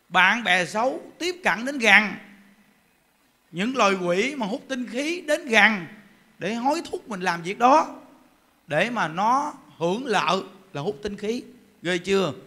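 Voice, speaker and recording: A man preaching a Buddhist sermon, emphatic and animated, full of rhetorical questions. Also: high voice.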